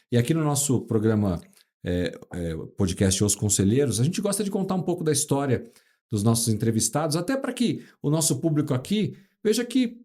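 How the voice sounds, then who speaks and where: A man's voice: a little high, dark tone. A man hosting an interview podcast, enthusiastically affirming his guest and leading him with questions. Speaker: podcast host.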